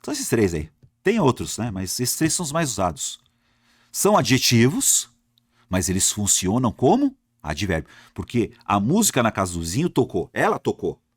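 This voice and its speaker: A man's voice: mid-range voice, normal speed, slightly rough, no echo, studio quality. A man teaching an exam-prep grammar lesson, speaking straight to his students and asking himself questions. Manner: lively, talks to class directly, asks and answers himself.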